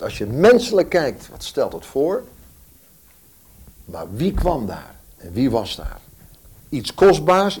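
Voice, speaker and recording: A man preaching a sermon in an earnest way, with emphatic pauses and swings between loud declarations and hushed, quiet lines. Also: mid-range voice, slightly rough.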